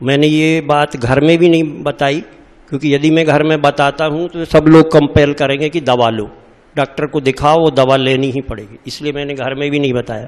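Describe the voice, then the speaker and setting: A man's fairly high-pitched voice, flat and monotone in its intonation. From central India, Madhya Pradesh (Hoshangabad district). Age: 60s. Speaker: teacher, seminar participant. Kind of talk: testimony. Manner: halting.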